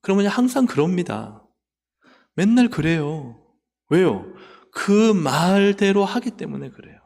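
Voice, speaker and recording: A man preaching a sermon as pastor. He acts out complaints in a raised voice and drops to soft, reverent tones. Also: sits high, big pitch swings, measured pace, creaky. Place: church sanctuary. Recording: long church hall reverb.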